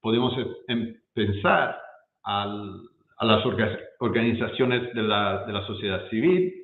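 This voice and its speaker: A man with an Italian accent, a non-native speaker giving an academic presentation, halting and often repeating words as he searches for them. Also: lowish voice. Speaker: guest speaker, professor. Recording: echoey room, muffled lo-fi sound.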